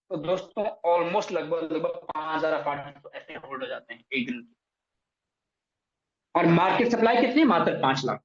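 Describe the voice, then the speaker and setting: Here a man's high, sharp voice explains an earning plan to his audience, whom he keeps addressing as friends while correcting figures as he goes. It's recorded in an echoey space with a dull, lo-fi quality.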